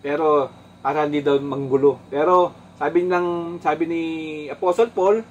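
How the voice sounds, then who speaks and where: A Filipino man preaching a sermon in a slightly high voice. He teaches point by point, mixing in English phrases, rising on each new point and dropping low on asides. Faint room hum sits behind him. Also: steady tone, normal speed, lo-fi sound. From Philippines. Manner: mixes English phrases into his talk and often asks the congregation "Amen?".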